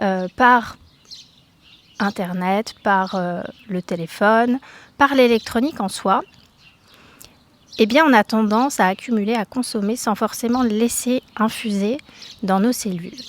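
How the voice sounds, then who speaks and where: Very slowly and with long, frequent pauses, a woman speaks at a fairly high pitch with ordinary pitch variation. The sound is dry and close, with no echo. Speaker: podcast host. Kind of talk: reflective podcast monologue. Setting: outdoors in her garden. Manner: hesitant, many filler sounds.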